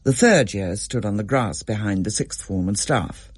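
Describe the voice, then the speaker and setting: A man reading a story aloud as narrator in a measured, storytelling way. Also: fairly low pitch, breathy edge, dry recording, clean studio sound. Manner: gently storytelling, varied and expressive.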